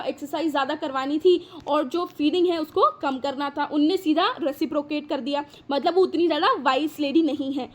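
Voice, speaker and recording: A woman teacher with an Indian accent, explaining a lesson in Hindi and reading answers out slowly in English. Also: high-pitched. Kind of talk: classroom lesson.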